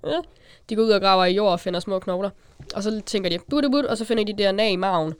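A teenage woman with a Zealand Danish accent, co-hosting a casual podcast and telling stories in a chatty, animated way. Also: mid-range voice, clear, resonant tone, no echo. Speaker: podcast co-host.

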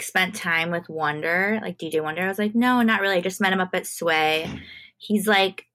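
Low-pitched woman, casual talker. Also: a bit bright. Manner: informal, peppered with "like". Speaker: podcast guest, music manager. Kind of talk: casual conversational storytelling.

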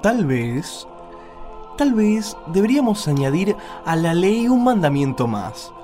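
An actor playing a pompous, contemptuous, pious Pharisee husband in a radio play, preachy and condescending. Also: male voice, high-pitched, big pitch swings, slow, warm tone, faint music behind, exaggerated voice. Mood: indignant.

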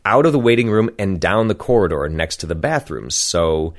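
An American man appears as a podcast guest, casually telling stories in a deep, sing-song voice at a moderate pace. He swears freely and mimics other people's voices as he goes.

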